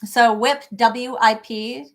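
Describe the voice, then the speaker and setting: Woman doing a crochet live, kinda high voice, chatty and encouraging, answering chat. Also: steady tone, slow. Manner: chatty, encouraging, answers viewer comments by name. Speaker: crochet livestream host. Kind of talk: casual livestream chat reading comments.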